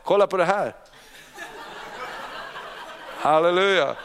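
A man's voice: high-pitched, noisy background. A man preaching a sermon in church, telling a personal testimony story with frequent hallelujahs and amens. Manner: storytelling, frequent "hallelujah" and "amen", tag questions.

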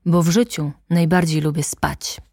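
A woman voicing a weary, dutiful male lamplighter who answers in flat, resigned replies. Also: low-pitched, normal speed, creaky, dry recording, studio quality.

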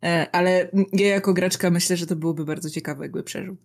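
A woman's voice: fairly low pitch, fairly even intonation, fast talker, vocal fry. A woman, a tabletop player, talking playfully about her character's fate in casual chat. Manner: playful, lightly joking.

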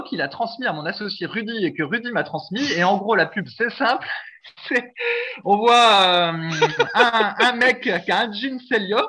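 High-voiced chatty man, lo-fi podcast. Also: pushed and bright. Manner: talkative, laughs often, many fillers. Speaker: podcast host. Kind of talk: casual podcast chat.

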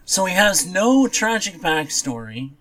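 A man's voice: high-pitched, sing-song, a little slow, fairly bright tone, rough recording. A man co-hosting a podcast in casual, blunt chat about comics, dismissive and given to offhand swearing. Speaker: podcast co-host.

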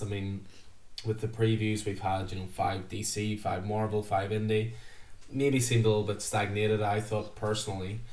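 A man hosting a casual podcast chat, rambling and chatty with filler words. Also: on the low side. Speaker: podcast host, comic shop staff. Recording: roomy, distant mic.

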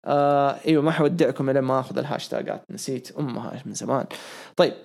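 A hoarse man, hosting a casual podcast and sharing rambling, excitable opinions. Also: medium pitch, rapid-fire. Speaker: podcast host. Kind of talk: casual wrestling podcast chat.

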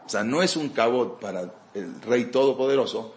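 A man's voice: mid-range voice, animated, moderate pace. A man teaching Jewish history in an informal lecture, telling stories conversationally with many fillers and restarts. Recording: echoey room.

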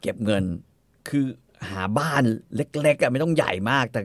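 A man's voice: mid-range voice, animated, normal speed, no room sound. Blunt middle-aged man chatting, close dry sound. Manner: blunt, crude joking advice with repeated phrases. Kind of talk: casual, bawdy chat.

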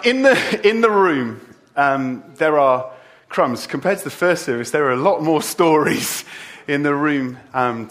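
Joking man preaching. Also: a little high. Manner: joking, warm asides to the congregation. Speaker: church leader. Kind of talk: farewell sermon. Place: church service.

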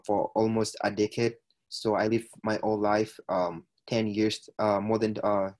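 Soft-spoken man telling his story. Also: fairly low pitch. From Ethiopia. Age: 20s. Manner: hesitant, many filler sounds and restarts. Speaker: guest. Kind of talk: personal storytelling in conversation.

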